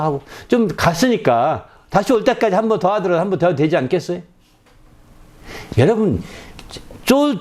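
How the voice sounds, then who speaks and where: Man, middle-aged, pastor, revival sermon, chatty preaching, lively swooping pitch, loud high cries at peaks. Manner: conversational preaching with frequent "예?" check-ins to the congregation; rises to loud high-pitched cries when acting out repentance.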